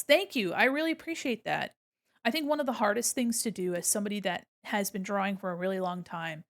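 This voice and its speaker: A woman streams casually while she draws, talking through each step at a medium pitch. She is gentle and encouraging, explaining things simply like an art teacher chatting with viewers. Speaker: art streamer and critique host. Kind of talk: casual livestream commentary while drawing, reading chat aloud.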